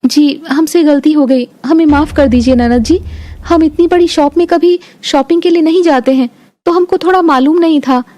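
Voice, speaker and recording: Cartoon role: woman voicing a naive young bride, high voice, earnest and plain. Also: moderate pace, warm tone, natural voice. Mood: meek. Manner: naive, earnest, speaks of herself as "we". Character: simple village daughter-in-law, young woman. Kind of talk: cartoon voice acting.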